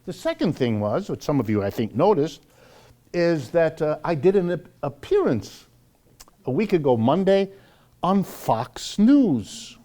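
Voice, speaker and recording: A man with an American accent lecturing off the cuff to a live audience, wry and emphatic, slowing for dramatic weight. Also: fairly high pitch, very animated, dark tone. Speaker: lecturer hosting a monthly public talk.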